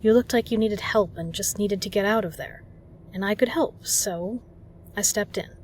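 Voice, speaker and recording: In an audio roleplay, a woman voices a kind, protective, flirtatious bar regular, earnestly reassuring the listener in a hesitant, apologetic mood. Her medium-pitched, darkish voice moves at normal speed, close to everyday speech, with a little hiss or hum.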